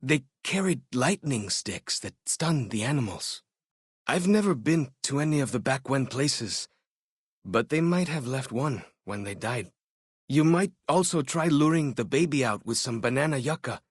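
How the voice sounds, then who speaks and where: A young male tribal scout from a video game, friendly and casual. His pitch moves around a great deal and he takes his time over his words. The voice is slightly husky, with a folksy, expressive manner. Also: a little slow, dry recording, clean studio sound. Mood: friendly, easygoing. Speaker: video game character voice actor. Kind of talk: in-game dialogue and combat barks.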